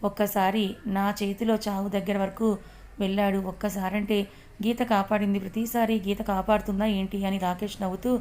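A boastful, menacing young man in a storybook reading, voiced by a woman. He talks fast on a flat line. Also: medium pitch, lightly acted. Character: possessive young man, brooding rival.

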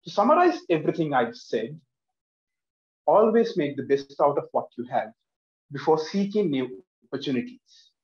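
A man's voice: fairly high pitch, big pitch swings, normal speed, long pauses, a little mellow. Earnest young man giving a speech. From Sri Lanka. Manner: earnest and emphatic, gesturing with both hands. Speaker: speech contestant. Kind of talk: prepared public speech. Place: living room at home. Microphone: laptop camera across the room, headphones on. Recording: echoey room, dull lo-fi sound.

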